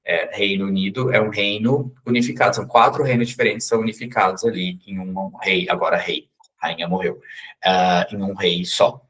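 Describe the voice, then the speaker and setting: A Brazilian man giving a relaxed English lesson, often checking in with his listeners and slowly drawing out English words. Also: sits low. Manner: chatty, with frequent "tá?" and "né?" check-ins, slowly spelling out English words. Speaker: English teacher. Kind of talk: casual explanatory lesson.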